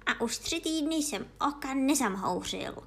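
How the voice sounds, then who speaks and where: A woman voicing a suspicious, complaining male pigeon in a storybook reading, with a lowered, gruff, scolding voice. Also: expressive, fairly bright tone. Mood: grumbling.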